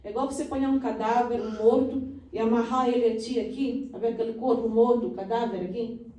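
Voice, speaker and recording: A woman pastor delivering a fervent sermon, building into loud prayer, recorded from a distance in a church. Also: a little high, fairly even intonation, fairly quick, highs cut off. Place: church hall. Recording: echoey church from far off.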